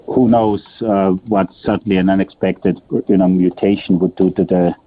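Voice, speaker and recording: A deep-voiced man answers questions as a company executive over a narrow, phone-like line. He explains at length in a halting way, repeating words as he builds each point. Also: steady tone. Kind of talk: spontaneous earnings call answers. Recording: muffled, narrow-band phone conference line.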